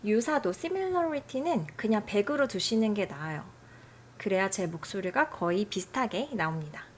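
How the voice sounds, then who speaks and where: A woman hosting a software tutorial, explaining settings in a friendly, chatty way. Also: medium pitch, lively intonation, moderate pace, a little hiss or hum. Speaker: tutorial host.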